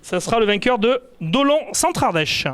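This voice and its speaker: High-voiced man announcing a cup draw. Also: very animated, moderate pace, a bit bright, clean tone, no room sound. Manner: chatty, hesitant, many fillers. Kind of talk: casual live announcing.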